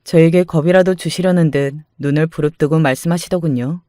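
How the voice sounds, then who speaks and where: A woman's voice: deep voice, fairly even intonation, a little fast, warm tone, no echo, clean studio sound. A woman reading a scripted first-person story as a dramatic narrator.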